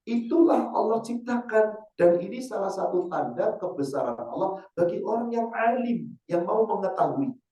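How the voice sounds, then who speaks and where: A man, an Islamic teacher, giving a casual sermon to a women's study group, quizzing the audience with rhetorical questions and reciting verses slowly. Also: high-pitched, animated, dark tone. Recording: roomy hall, mic far off.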